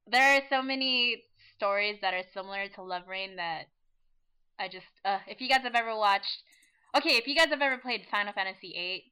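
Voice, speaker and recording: Bright, clear-voiced chatty woman host. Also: mid-range voice. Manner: chatty, laughs often, rambling asides. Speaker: podcast host. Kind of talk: casual online fan chat.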